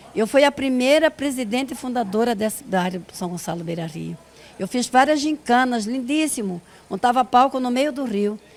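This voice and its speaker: A woman's high-pitched voice with lively intonation, big swings in loudness and a moderate pace. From Brazil, Cuiabá region (Mato Grosso). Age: 60s. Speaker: ceramist and community leader. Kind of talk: interview testimony.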